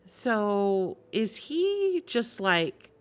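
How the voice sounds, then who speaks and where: A woman's voice: medium pitch, big pitch swings, drawn-out words. A woman game streamer giving casual live reactions, musing aloud in a conversational way.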